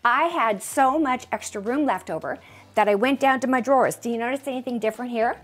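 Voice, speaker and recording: Standing in her bedroom closet at home, a woman in her fifties who vlogs about home organizing talks directly to the camera, showing off her newly organized space with self-deprecating humor. Her voice is a little high and a little fast, with faint music behind.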